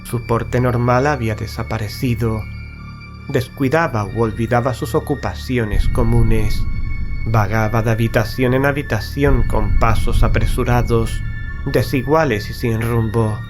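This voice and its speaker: A man narrating a gothic horror story in the first person, in a measured, grave, literary manner. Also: medium pitch, fairly even intonation. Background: background music.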